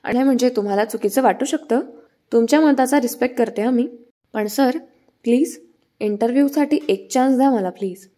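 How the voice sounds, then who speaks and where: A woman's voice: a little high, brisk, mellow, lightly acted. A woman voicing a young female nurse applicant who apologizes and pleads for a chance. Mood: pleading.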